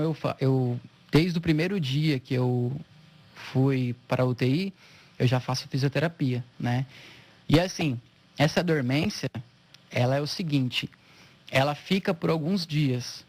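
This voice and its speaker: A man in his thirties, a spinal injury patient, telling his recovery story with animated quoted dialogue. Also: medium pitch, a little slow. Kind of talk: emotional personal storytelling.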